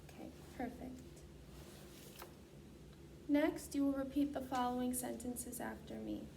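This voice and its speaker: High-voiced woman, distant noisy recording. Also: wildly swooping pitch, measured pace. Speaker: student clinician giving a voice assessment. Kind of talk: scripted clinical instructions. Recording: distant mic, clearly noisy.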